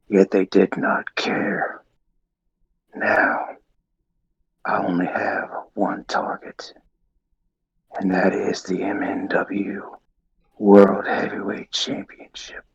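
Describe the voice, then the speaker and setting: A man doing a gravelly, whispering vengeful wrestler. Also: fairly low pitch, heavily acted. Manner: slow, threatening delivery. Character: vengeful male wrestler, menacing and cold. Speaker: caller. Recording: dull lo-fi phone line.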